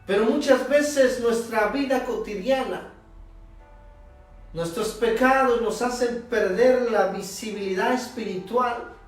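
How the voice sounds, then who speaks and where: Pastor, male, high-pitched and unhurried, emphatic sermon with long pauses, recorded far off in a very roomy church over soft music. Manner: emphatic preaching with drawn-out pauses. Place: church sanctuary. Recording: echoey church, distant mic, soft instrumental music.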